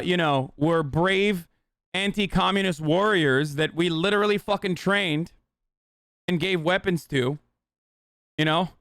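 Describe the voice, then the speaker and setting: High-voiced man ranting on stream. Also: a bit bright, smooth, dry recording, studio quality. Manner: profane, heated ranting. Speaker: streamer host. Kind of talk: live-stream reaction commentary.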